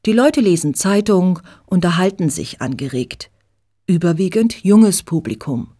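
A woman narrates a storybook at a very slow, clear pace. Her voice sits a little low, and she reads steadily and plainly. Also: expressive, warm tone.

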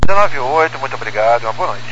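A man's voice: mid-range voice, animated, very fast, sharp tone. A Brazilian man, an airline pilot, speaking over the aircraft radio in clipped, routine radio phrasing. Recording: muffled radio transmission with static.

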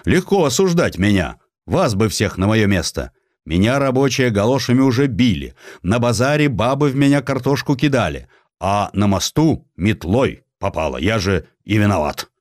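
A man's voice: on the low side, very animated, moderate pace, no echo, studio quality. A man voicing a grasping, self-pitying, bullying police chief with a grumbling, blustering manner in an audiobook.

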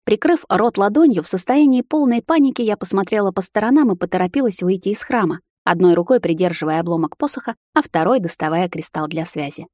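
A woman narrating a fantasy novel in the first person, with brisk, expressive storytelling. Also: medium pitch, no echo, clean studio sound. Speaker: audiobook narrator.

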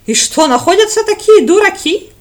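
A woman doing a brash young highlander. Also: fairly quick, warm tone, natural voice.

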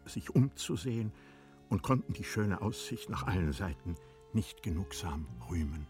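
Male narrator, lowish voice, measured formal delivery, literary radio play, faint music behind. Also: a little mellow.

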